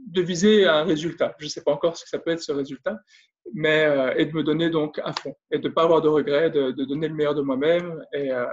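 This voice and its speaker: A man's voice: a little high, a little mellow, muffled recording. A man in his thirties from France with a Belgian French accent, a consultant explaining his work in a casual interview, hesitant and full of fillers. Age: 30s. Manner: hesitant, many fillers and restarts. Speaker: guest, business consultant and trainer.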